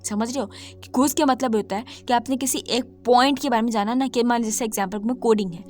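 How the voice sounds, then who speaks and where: Woman tutor with a slightly hoarse throat, emphatic and repetitive, over soft background music. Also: fairly high pitch, fast. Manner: emphatic, repeats points, mixes English terms into speech. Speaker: coding tutor. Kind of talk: casual talk-to-camera lesson.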